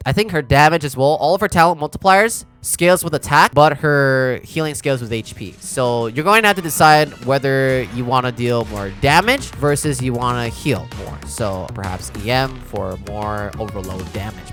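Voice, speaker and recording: Guy streaming game reactions, talks quick and informal, music playing behind him. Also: medium pitch. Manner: animated, informal, talking to chat. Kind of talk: casual live reaction commentary.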